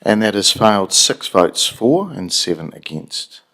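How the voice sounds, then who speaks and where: A man with a New Zealand accent, the mayor, chairing a council meeting in a brisk procedural way with dry asides. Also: on the low side, sing-song, sharp tone. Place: council chamber.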